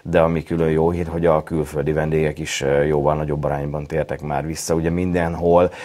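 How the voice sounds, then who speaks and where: A man's voice: very deep voice, level tone, mellow. A man running a spa company answers interview questions, hesitant, with many fillers and restarts.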